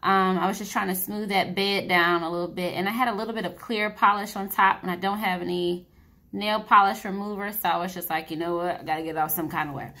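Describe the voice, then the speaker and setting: A young woman casually talking through a home nail tutorial while she works at a table, thinking out loud and poking fun at herself. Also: medium pitch, fairly even intonation, fast talker. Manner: chatty, self-deprecating, thinking aloud while working. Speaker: beauty vlogger.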